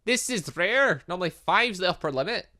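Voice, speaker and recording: Male gamer, bright voice, animated pitch swings, playful casual commentary, excitable asides. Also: moderate pace. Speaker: gaming video host. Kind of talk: casual let's play commentary, reading game dialogue aloud.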